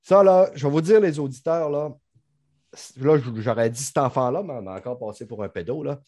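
A middle-aged man speaks with a Saguenay Quebec French accent in a casual podcast chat. His voice sits at an ordinary pitch for a man, and he jokes bluntly, dropping swear words freely. The sound is dry and close, with no room around it. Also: brisk, dark tone, dry recording. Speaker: podcast host.

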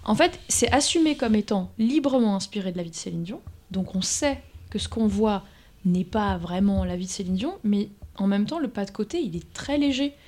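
A woman on a podcast panel who gives her view in a measured, reflective way. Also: medium pitch, animated, a little mellow. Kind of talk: casual podcast chat.

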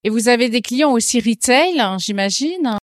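A woman's voice: a little high, lively intonation, moderate pace, no echo, clean studio sound. A woman interviewing someone casually, with short prompts and questions.

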